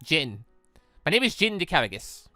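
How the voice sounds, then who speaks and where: A bewildered young man in a visual novel, acted out by a narrator, anxious and hesitant. The voice is bright, with dramatic swings in pitch and a note of disbelief. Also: very animated, normal speed, no room sound, studio quality, soft background music. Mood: wary, polite.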